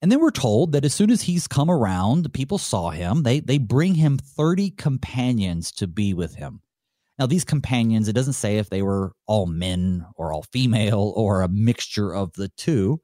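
A man leads a Bible study on his own, speaking as a pastor in a loose, conversational way. His voice sits a little low and warm, and it rises and falls with animation as he muses aloud and chuckles. The sound is close and dry. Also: very animated, normal speed, no room sound. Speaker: pastor and host. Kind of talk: solo Bible study teaching.

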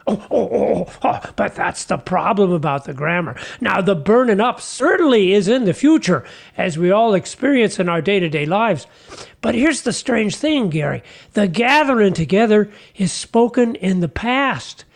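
An actor playing a humble, folksy fisherman apostle in a comic radio sketch, earnest and chatty, halting over his words. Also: high-pitched, expressive, gravelly, heavily acted. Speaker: guest character.

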